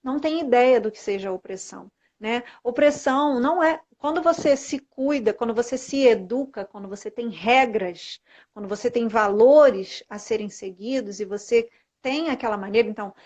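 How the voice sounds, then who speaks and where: A woman's voice: on the high side, normal speed, darkish tone. A woman with a Brazilian Portuguese accent, a guest mentoring women, talking in an emphatic, preachy way on a live video call. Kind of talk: casual live-stream conversation. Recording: muffled live-stream audio.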